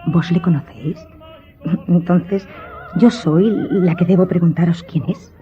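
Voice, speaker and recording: A woman's voice: fairly low pitch, a little slow, close to an everyday voice. A woman playing a superstitious, imperious countess in a radio drama, speaking in a formal, dramatic, insistent way. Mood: haughty, intrigued. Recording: dull recording with background music.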